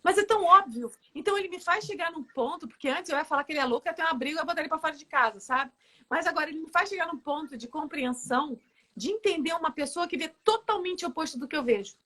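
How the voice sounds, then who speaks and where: Woman guest, high and bright, lively chatty storyteller in a relaxed live interview. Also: fast talker. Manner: lively storyteller, laughs often. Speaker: therapist guest. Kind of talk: casual interview chat.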